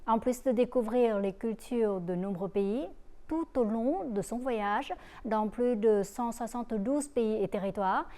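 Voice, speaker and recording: A woman presenting a news story introduction in a smooth, formal reading. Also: on the high side, measured pace, warm tone.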